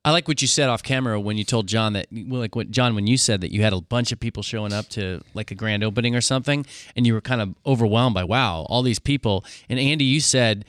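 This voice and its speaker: A man's voice: fairly low pitch, fast talker, few pauses, a bit bright, no echo, studio quality. A man co-hosting a podcast in casual chat, a little hesitant and repeating his words. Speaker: podcast co-host.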